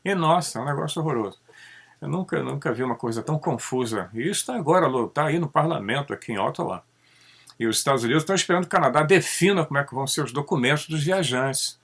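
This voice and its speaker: A man's voice: fast talker, vocal fry, slightly rough. Chatty man musing aloud. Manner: conversational, tags sentences with "né?"; animated, pitch rising and dropping often. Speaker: channel host. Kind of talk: casual monologue on ufology.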